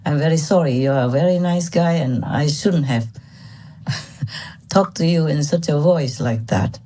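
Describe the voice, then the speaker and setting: A woman from Vietnam, a spiritual teacher, telling a personal story to her disciples in a candid, animated way and laughing often. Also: low-pitched, measured pace, slight background noise.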